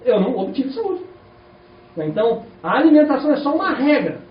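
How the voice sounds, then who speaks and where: A Brazilian man with a Brazilian Portuguese accent preaches a sermon in a church hall, animatedly firing rhetorical questions at the congregation throughout. His voice is very high-pitched and a little fast, captured in an echoey, distant, dull recording.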